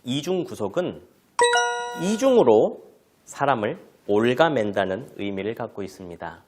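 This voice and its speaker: A man giving an online lecture to parents on family communication, explaining terms and acting out examples. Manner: explanatory, with lively pitch swings and acted examples.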